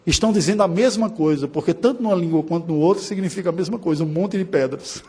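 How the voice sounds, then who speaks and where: A man from Brazil preaching with a notably high voice, driving his points home with emphasis. He mixes ironic asides and brief chuckles into a steady expository sermon. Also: fast talker, husky. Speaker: pastor.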